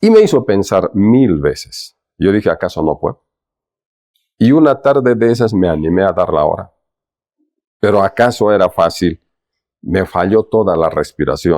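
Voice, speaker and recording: A man with a fairly low, dark and mellow voice speaks at a moderate pace with lively intonation, leaving long, frequent pauses. The recording is very clean, with a silent background and a dry, close sound with no echo. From Bolivia, Arani, Cochabamba valley. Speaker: radio broadcaster. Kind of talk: interview. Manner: conversational, storytelling.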